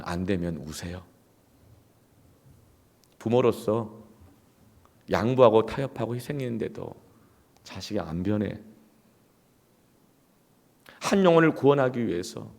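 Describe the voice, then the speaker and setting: Male pastor giving a sermon, lowish voice that jumps all over, goes quiet then gets loud and emphatic. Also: very animated, normal speed, vocal fry, pauses often. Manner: emphatic, swings from hushed to loud outbursts. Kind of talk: sermon with personal storytelling.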